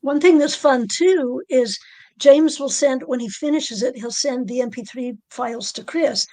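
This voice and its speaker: A woman author with a low alto voice, speaking in a halting, soft-spoken way in a casual podcast interview. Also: dry recording. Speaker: author guest.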